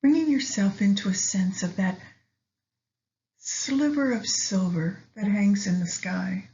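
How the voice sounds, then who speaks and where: A woman guides a meditation at a very slow pace, leaving long pauses between her soft phrases. Her delivery is soothing, and the recording is a little dull and lo-fi. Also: mid-range voice.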